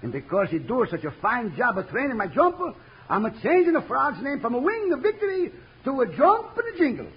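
A man's voice: extremely high pitch, very animated, fairly quick, full character voice. An actor playing a fervent immigrant man who dotes on his pet, speaking broken English in an old radio western. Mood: jubilant. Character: excitable immigrant man, doting frog owner. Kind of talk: 1950s radio western acting. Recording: noisy, dull vintage radio recording.

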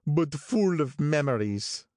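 Gloomy old gangster Wolfsheim. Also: male voice, a little high, expressive, darkish tone, no echo, studio quality, voice pushed up. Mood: brooding. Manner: slow, brooding, drawn-out delivery. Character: older male gangster, gloomy, sentimental, self-important.

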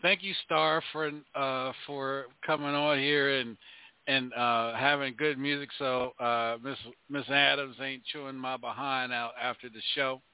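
A man's voice: medium pitch, fairly even intonation, measured pace, smooth. A man hosting a call-in radio show, casual and loose, often laughing. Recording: thin phone-line sound.

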